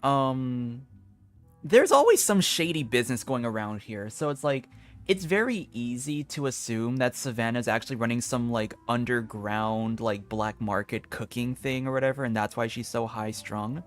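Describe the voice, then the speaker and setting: A man's voice: medium pitch, animated, normal speed, faint music behind. A man giving casual, rambling commentary as he streams a video game. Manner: rambling, frequent "like". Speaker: gaming streamer. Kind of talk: casual game commentary and dialogue read-aloud.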